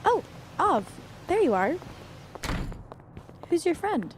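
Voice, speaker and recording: A woman's voice: very high voice, very animated, slow pace, a little hiss or hum, exaggerated voice. A woman playing a concerned young traveler in an audio drama, with natural, everyday delivery. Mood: caring. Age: young adult. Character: concerned young traveler, warm with friends, guarded with strangers.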